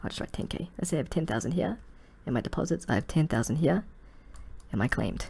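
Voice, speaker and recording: The speech runs at a very fast pace yet breaks into long, frequent pauses. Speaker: crypto explainer video creator. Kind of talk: tutorial. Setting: at home at night, screen recording. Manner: quiet, whispering so as not to wake others.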